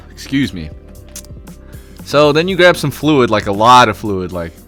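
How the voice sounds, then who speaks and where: Background music plays throughout. Over it, a man talks rather slowly. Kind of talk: casual comedic voice-over narration of a craft tutorial. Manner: casual, joking, offhand.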